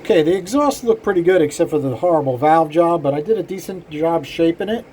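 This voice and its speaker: A man's voice: a little high, expressive, a little fast, mellow, a little hiss or hum. An older man, a cylinder head porter, casually talking shop to his viewers in a rambling, self-deprecating way with many fillers. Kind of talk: casual shop talk to camera.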